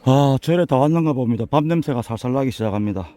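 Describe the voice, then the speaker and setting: An older man with a Busan accent, hoarse and a bit winded, chatting folksily as he walks a mountain path for his vlog. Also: mid-range voice, lively intonation, fast, dark tone. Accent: Busan Gyeongsang dialect. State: out of breath from climbing. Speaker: vlogger touring local alleys. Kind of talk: casual walking vlog.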